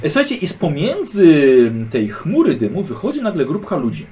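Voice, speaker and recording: Mistrz gry o żywej intonacji. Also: male voice, a little high, huge pitch swings, moderate pace, mellow. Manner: loose, with frequent "słuchajcie" and filler "e". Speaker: game master. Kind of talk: narrating a tabletop game.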